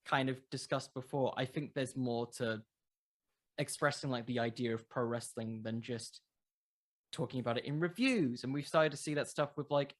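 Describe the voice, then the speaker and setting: A man's voice: medium pitch, moderate pace. A man chatting casually as an interview guest, informally thinking aloud as he answers. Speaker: podcast creator being interviewed.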